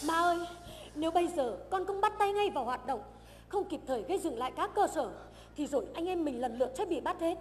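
A woman's voice: very high-pitched, lively intonation, fast. An actress playing a young new mother and revolutionary in a stage drama, pleading and emotional. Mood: determined. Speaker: stage actor. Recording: stage recording with long reverb and music.

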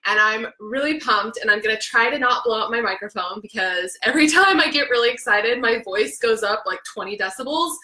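An excitable woman in her thirties hosts a live podcast from her small home office, her naturally loud voice bright and forceful. She speaks into a studio mic while wearing headphones, and the room adds a noticeable echo. Her pitch sits a little high. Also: fairly quick, few pauses. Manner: hyper, excitable, naturally loud, laughs often. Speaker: podcast host. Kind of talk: energetic live video podcast.

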